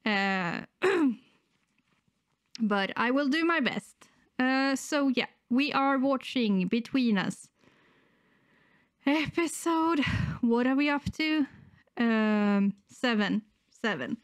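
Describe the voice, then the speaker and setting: Speaking slowly and pausing often, this high-pitched, animated woman has a clean tone and a dry recording. She's middle-aged, sick and a little wheezy, hosting a reaction channel from a small room at home, casual and hesitant, close to a desktop mic.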